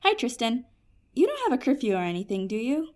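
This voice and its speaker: A woman's voice: a little high, wildly swooping pitch, fairly quick, a little mellow. A woman playing a kind, earnest, persuasive djinnia in a fantasy comedy audio drama. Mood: friendly. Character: Peri, kind, earnest young djinnia of smokeless fire.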